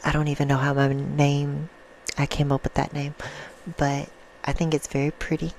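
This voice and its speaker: A soft-spoken woman chatting casually and affectionately to her viewers in an ASMR style, with an informal, self-deprecating manner. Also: low voice, completely flat delivery, moderate pace, slight background noise, rough recording. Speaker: ASMR video creator and host.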